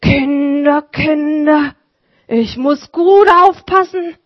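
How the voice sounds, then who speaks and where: A woman voicing a kindly, excitable old male shoemaker in a storybook reading, speaking eagerly with a raised voice. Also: high-pitched, very slow, no echo, voice pushed up. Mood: anxious. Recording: dull lo-fi recording.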